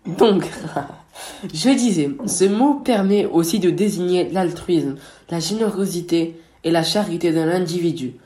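Mellow-voiced teasing male co-host. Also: sits high, measured pace. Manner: playful, teasing his co-host. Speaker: co-host of a word radio show. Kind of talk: scripted radio chat with teasing banter.

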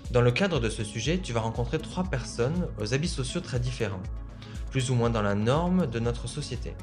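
A young man hosting a podcast, reading a reflective scripted introduction and asking interview questions in a measured way. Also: medium pitch, lively intonation, music in the background. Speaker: podcast host.

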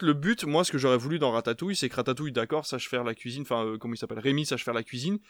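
A man's voice: a little high, a bit bright, no echo, studio quality. A young man from Belgium co-hosting a casual film podcast, talking with many fillers and restarts. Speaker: podcast co-host.

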